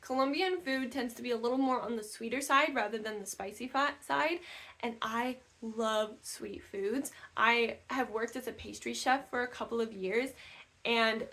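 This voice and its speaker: Chatty young woman with a fairly high voice. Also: moderate pace, fairly bright tone. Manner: chatty, with many fillers and restarts. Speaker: language-learning vlogger. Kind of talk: casual talk to camera. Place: new house, room not yet decorated.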